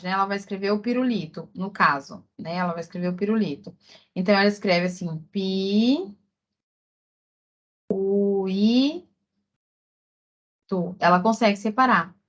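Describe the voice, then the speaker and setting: A woman with a Brazilian Portuguese accent teaches an exam-prep lesson at a mid pitch. She talks slowly, repeating words and tagging lines with little check-ins. The audio is a bit dull and lo-fi. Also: a bit bright. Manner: explains slowly with many fillers and repeated words.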